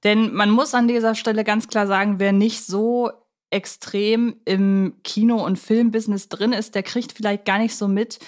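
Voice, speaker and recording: A woman's voice: mid-range voice, flat delivery, normal speed. A woman hosting a conversational film podcast, speaking in an articulate, wordy and analytical way. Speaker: podcast host.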